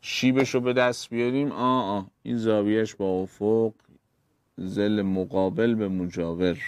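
Addressing his students directly, a male physics teacher goes through exam problems one step at a time. He speaks with a fairly low pitch and fairly even intonation, and there is no room sound.

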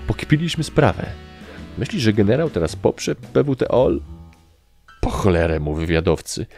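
A man's voice: low voice, vocal fry, darkish tone, pitched above the performer's own voice, exaggerated voice. A man voicing a gloomy young soldier who expects the worst. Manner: gloomy, resigned. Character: glum young male soldier, gloomy and resigned.

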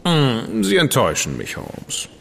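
An actor playing a witty, decadent dandy detective's partner in a German radio drama, flippant and ironic. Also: male voice, medium pitch, wildly swooping pitch, a little slow, gravelly, fairly bright tone, big-room sound, a little hiss or hum, heavily acted. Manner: flippant, ironic, self-satisfied.

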